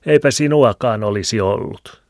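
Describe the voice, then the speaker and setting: A man voicing a pious, whining old village woman with a squeaky voice, in a dry close recording. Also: no room sound, lightly acted. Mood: pious whine. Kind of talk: audiobook reading. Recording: dry close studio sound.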